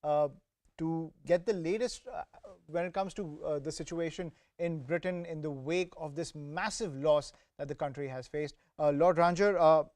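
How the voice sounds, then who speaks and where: A man's voice: fairly high pitch, darkish tone, no room sound. A man anchoring live TV news, formal, with hesitant fillers when he turns to questions. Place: TV studio.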